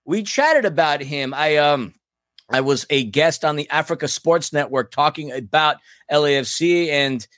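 A man's voice: a little high, normal speed, fairly bright tone, dry recording, studio quality. Chatty man on a sports podcast. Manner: chatty, laughs often, stumbles over names. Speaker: podcast co-host. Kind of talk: casual sports podcast chat.

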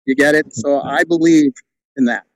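A man's voice: fairly high pitch, moderate pace, dry recording, low-quality recording. A middle-aged man from California, a jiu-jitsu black belt telling rambling stories in a casual interview, full of "you know" and acted-out quotes.

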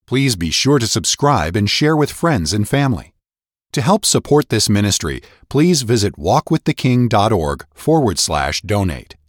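A man's voice: fairly low pitch, big pitch swings, moderate pace, dry recording, clean studio sound. A man reading a short scripted podcast announcement in a polished, upbeat way.

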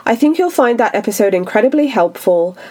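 A woman's voice: a little high, lively intonation, fairly quick, darkish tone. Stuffy-nosed woman hosting a book podcast. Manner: chatty and upbeat, frequent fillers. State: stuffy, under the weather. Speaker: podcast host. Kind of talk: solo podcast talk on books.

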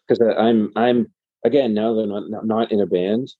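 A man speaking in a casual chat, halting and repeating words. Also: lowish voice, steady tone, slightly rough, dry recording, narrow, tinny audio.

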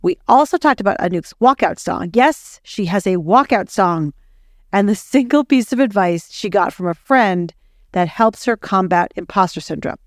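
A woman's voice: mid-range voice, lively intonation, normal speed, dry recording, clean studio sound. A woman speaking as a podcast host and interviewer. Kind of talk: scripted podcast introduction and interview.

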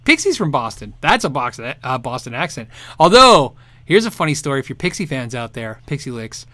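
A man's voice: mid-range voice, very animated, fairly quick, bright, forceful tone, dry recording. A man hosting a guitar show, chatting casually and answering viewer questions, rambling and restarting sentences and laughing often. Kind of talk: casual live chat.

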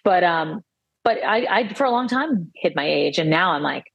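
A woman's voice: fairly low pitch, lively intonation, moderate pace, vocal fry, breathy edge, dry recording, highs cut off. A woman in her fifties, a guest talking about herself in a reflective, earnest way, restarting her sentences often. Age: 50s. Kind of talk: casual conversation.

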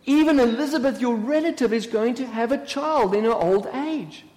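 Man acting angel messenger, solemn, reassuring, formal proclamation, high voice, Bible storytelling, long hall reverb. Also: moderate pace, a little mellow.

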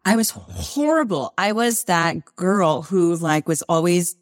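A woman's voice: fairly low pitch, expressive, unhurried, no room sound, studio quality. A woman in her forties, a guest on an interview podcast, talking in an upbeat, encouraging way. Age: 40s.

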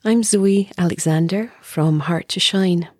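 A meditation teacher, a woman, leads a guided session in a soft, breathy, lowish voice that frequently sinks almost to a whisper. Her delivery is very slow, calm, and soothing, with long, unhurried pauses. The recording sounds close and dry.

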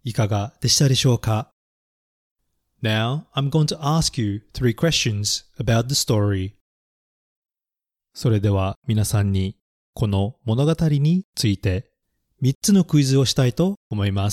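Slow, careful male story teacher. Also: mid-range voice, expressive, darkish tone, no echo, clean studio sound. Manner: clear, careful, spells words out letter by letter. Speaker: English teacher and story reader. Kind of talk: bilingual children's lesson narration.

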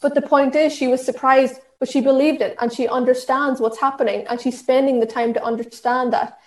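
An Irish woman with a fairly high voice speaks earnestly, teaching in an instructive, steady way, often restarting her sentences and adding fillers. Her voice rings in an echoey room. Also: fairly quick. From Ireland. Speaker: diversity and inclusion trainer. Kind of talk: talk at an online session.

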